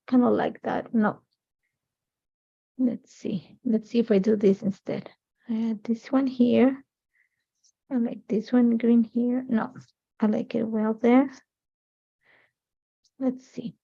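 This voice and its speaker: Her voice is fairly high, with vocal fry and a dark tone: a middle-aged native Spanish speaker with an Ecuadorian accent hosting a live crafting demo. She chats and thinks aloud casually at a crafting desk with an overhead camera. The stream audio is dull and lo-fi.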